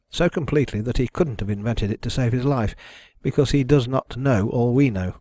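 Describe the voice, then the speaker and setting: A methodical detective read by a male narrator lays out deductions with calm assurance. The delivery is measured and precise, mid-pitched, in a dry audiobook recording. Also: no room sound, close to an everyday voice.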